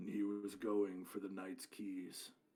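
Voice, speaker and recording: A man puts on a character voice, pitched fairly low. His intonation stays monotone and flat. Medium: actual play. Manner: curt, suspicious.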